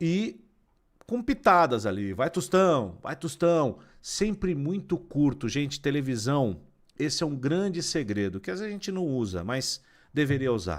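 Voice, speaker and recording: This man's voice sits fairly high and swings very widely in pitch at a moderate pace. The recording is very clean, with a silent background. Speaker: sports commentator and narration coach. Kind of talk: casual talk to camera, live stream commentary.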